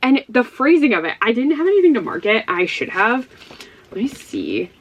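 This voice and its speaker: Her voice is on the high side and very animated, at a moderate pace, captured in a low-quality recording. She's a young woman from Ohio with a Midwestern American accent, a book vlogger chatting casually to camera, rambling and giggling with plenty of fillers.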